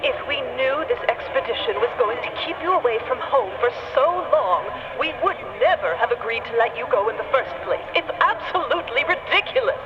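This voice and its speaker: A woman's voice: a little high, expressive, a little fast, few pauses. A woman playing an indignant, reproachful mother in an audio drama, filtered as if on a long-distance phone call. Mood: indignant, scolding. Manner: haughty, reproachful. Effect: telephone filter over a long-distance line. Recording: muffled phone line, noisy, heavy reverb.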